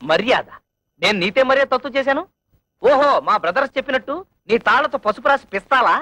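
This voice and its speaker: A comic boastful driver with a childlike lisp, high-pitched. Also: male voice, lively intonation, brisk, bright, forceful tone, dry recording, full character voice. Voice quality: lisping childlike speech. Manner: boastful, blustering. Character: boastful lisping man, an auto driver. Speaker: auto driver husband. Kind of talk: film comedy acting.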